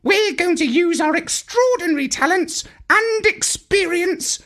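A man's voice: expressive, measured pace, a bit bright, full character voice. A man voicing a bossy, boastful, brainy parrot with a squawky voice in a children's storybook. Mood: eager, insistent. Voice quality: squawky, shrill. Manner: bossy, pompous. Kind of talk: children's audio storybook character.

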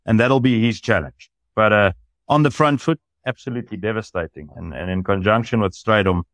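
A man with a fairly low voice talks through a player's strengths and weaknesses with a commentator's enthusiasm. He sounds close and dry, with no room around him. It is a relaxed podcast discussion. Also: fairly quick, dry recording. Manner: enthusiastic, analytical. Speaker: rugby commentator.

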